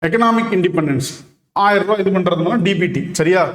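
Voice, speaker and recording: A man with a Tamil accent, teaching an exam-prep lesson in Tamil mixed with English, who reads model answers out slowly. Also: high voice, fairly even intonation, fairly bright tone, reverberant, big-room sound.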